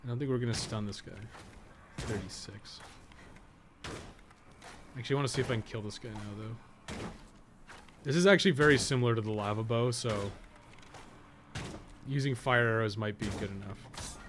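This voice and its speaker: A man's voice: mid-range voice, moderate pace, pauses often, noisy background. A man giving casual gameplay commentary, thinking aloud in a musing way, asking himself questions and trailing off into asides. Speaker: podcast co-host and game guide writer.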